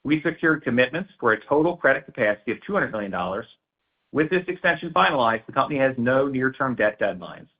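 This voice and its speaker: Male finance executive, mid-pitched, delivering prepared quarterly figures over a somewhat dull call line. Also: animated, quick pace. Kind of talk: scripted earnings call report. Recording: slightly dull conference-call audio.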